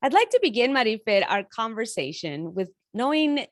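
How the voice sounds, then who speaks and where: A woman's voice: a little high, sing-song, normal speed, no room sound, clean studio sound. Effusive woman podcast host. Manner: effusive and gracious, long winding questions. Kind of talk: conversational interview hosting.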